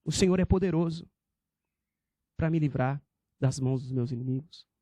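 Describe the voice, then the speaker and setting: A male preacher with a fairly high, warm and mellow voice delivers an emphatic sermon. He speaks rhetorically and calls out to his brethren, and the recording is dry and close. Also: normal speed, no room sound.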